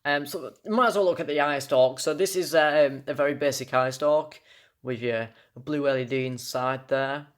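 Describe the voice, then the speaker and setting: A young British man talks through a collectible in a casual home-style review. His delivery is unscripted and halting, and he trips on words and restarts them. His voice sits at an ordinary mid pitch for a man. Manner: halting, stumbles over words and corrects himself. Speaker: toy collector reviewing an item on video.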